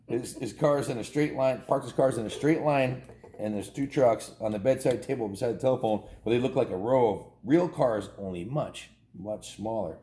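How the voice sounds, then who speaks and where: A man's voice: mid-range voice, dark tone, reverberant. A man reading a children's story aloud in an informal, homespun way, stumbling and correcting himself with casual asides.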